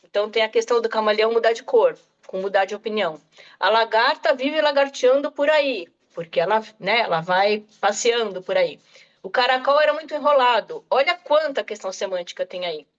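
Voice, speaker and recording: A woman's voice: on the high side, brisk, muffled recording. A woman giving an online lecture to educators, speaking straight to her listeners and often checking in with "tá?" and "né?". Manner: talks straight to listeners, frequent "tá?" and "né?". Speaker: literacy specialist presenter.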